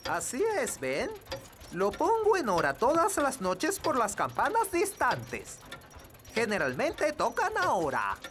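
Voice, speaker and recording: Slow, high-pitched wise old elf. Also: male voice, wildly swooping pitch, fairly bright tone, heavily acted. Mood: proud. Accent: Latin American Spanish. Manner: earnest, proud, deliberate. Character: wise old male elf, earnest clock keeper. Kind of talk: children's cartoon dubbing. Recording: clicking, ticking noise behind.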